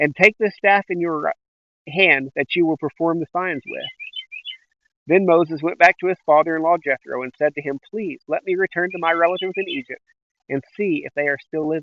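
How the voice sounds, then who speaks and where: A man talks at a fairly quick pace in a high, nasal voice. His pitch variation is ordinary. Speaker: Bible reader. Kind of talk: scripture reading.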